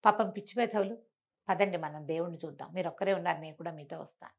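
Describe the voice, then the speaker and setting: A woman's voice: lowish voice, quick pace, lo-fi sound, voice pushed down. A woman storyteller voicing a folk-tale queen, loyal yet easily tempted, in a persuasive conversational way. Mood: dismissive, loyal.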